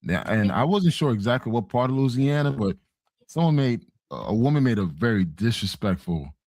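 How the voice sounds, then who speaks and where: A man's voice: mid-range voice, big pitch swings, normal speed, darkish tone, no room sound, clean studio sound. Haitian man telling a story. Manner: storytelling, laughs while telling. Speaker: panelist. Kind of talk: casual online panel chat.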